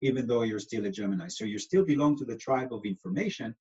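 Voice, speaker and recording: A man's voice: medium pitch, lively intonation, racing, a little mellow, lo-fi sound. A man from Israel with an Israeli accent, explaining things patiently in an interview, with lots of fillers. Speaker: astrologer guest.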